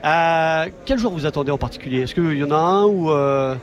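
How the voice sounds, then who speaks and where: French male field reporter, halting speech. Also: on the high side. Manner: hesitant, many fillers and restarts. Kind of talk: live news report. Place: outdoors in a city street.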